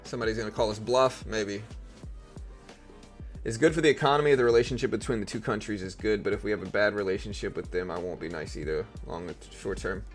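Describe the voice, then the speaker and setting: A raspy-voiced man with a fairly low pitch hosts a casual live stream, thinking out loud and tossing questions to his chat. He reads news aloud between loose asides, with faint music playing behind him. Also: fast talker. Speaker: live trading stream host.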